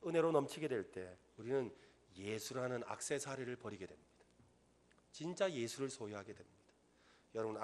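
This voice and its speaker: A middle-aged man preaching a sermon as pastor in a church, earnest, rising to loud emphatic peaks. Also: mid-range voice. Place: church sanctuary.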